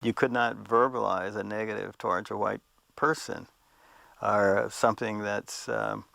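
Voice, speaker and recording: Very gravelly man, halting delivery. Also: fairly low pitch, steady tone, pushed and bright, dry recording. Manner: halting, searching for words. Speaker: interviewee. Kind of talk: reflective documentary interview.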